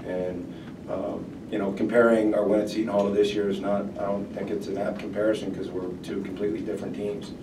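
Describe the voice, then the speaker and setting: A man in his forties speaks as a coach at a press conference, measured and earnest. His voice is low and almost monotone. The table mic is far off, and the room echoes with a noisy background. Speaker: visiting head coach. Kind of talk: post-game press conference. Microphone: table microphone.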